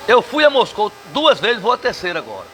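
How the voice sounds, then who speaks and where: A man's voice: high voice, wildly swooping pitch, a little fast, fairly bright tone, slight background noise. A man from Northeast Brazil with a Northeastern accent, talking as a guest in a casual bar interview, emphatic and combative, with salty language.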